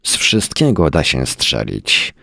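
A man's voice: rumbling low, huge pitch swings, takes it slowly, vocal fry, bright, forceful tone, no room sound, studio quality, heavily acted. A man voicing a sardonic, hard-drinking male professor who talks in mocking, long-winded turns.

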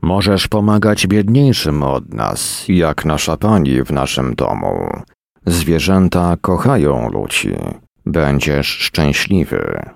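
A man's voice: extremely low pitch, very animated, slow pace, vocal fry, no room sound, clean studio sound, full character voice. A man voicing a big grey talking dog that mutters blunt, scolding remarks. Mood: gruff.

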